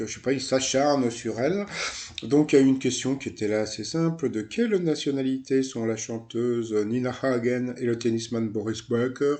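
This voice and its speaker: A man talks through a recap of a TV quiz show in a loose, chatty way. His voice is mellow and dark, and he keeps stopping for fillers, side remarks and self-corrections. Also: mid-range voice. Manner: rambling, many fillers, asides and self-corrections. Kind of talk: casual recap commentary.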